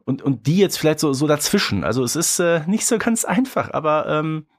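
A man's voice: a little high, sing-song, a little fast. A man from Germany co-hosting a podcast, chatting casually and colloquially with frequent tag questions. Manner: colloquial, often adds "ne" as a tag. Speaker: podcast co-host.

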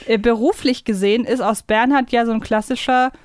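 A woman's voice: fairly high pitch, fairly even intonation, brisk, dry recording, studio quality. A woman co-hosting a podcast in casual conversation, often searching for words as they talk. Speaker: podcast co-host. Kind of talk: casual chat about a children's audio series.

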